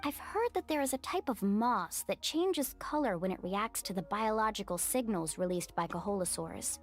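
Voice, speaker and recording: A woman's voice: mid-range voice, expressive, normal speed, soft background music, natural voice. A woman playing an upbeat, confident young adventure guide in a video game. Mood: curious. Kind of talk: video game character acting.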